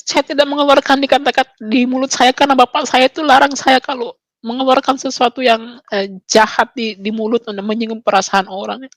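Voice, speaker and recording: A young adult woman telling her personal conversion testimony, her voice climbing high and intense when she relives key moments. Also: no echo. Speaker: testimony speaker.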